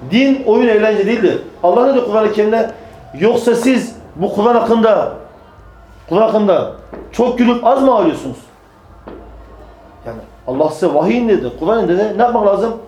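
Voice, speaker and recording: Guy preaching to a small group, keeps asking questions and answering them, dark soft tone, roomy echo. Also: high-pitched, a little hiss or hum. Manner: emphatic, asks rhetorical questions and answers them himself; repeats phrases for emphasis. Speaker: religious preacher. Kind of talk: religious talk to a small group.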